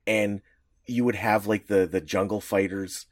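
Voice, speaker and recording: A man's voice: steady tone, a little slow, no echo, clean studio sound. A man co-hosting a podcast, talking casually and rambling with frequent chuckles. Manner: rambling, chuckling, pitch jumping around. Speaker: podcast co-host. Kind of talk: casual chat.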